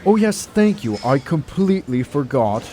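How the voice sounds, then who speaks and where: Busy doctor, lively pitch, noisy recording acted by a man. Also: normal speed. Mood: polite. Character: busy, worn-down male hospital doctor. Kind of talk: amateur audio drama acting.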